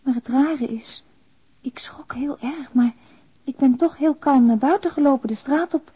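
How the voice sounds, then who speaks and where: A woman's voice: sits high, a little slow. An actress playing an anxious, naive young mother who confides a confession by letter in a radio drama, intimate and hesitant. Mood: shaken. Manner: intimate, confiding, hesitant, lapsing into near-whispers. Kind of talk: radio drama monologue, letter read in voice-over. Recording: dull, roomy radio drama recording.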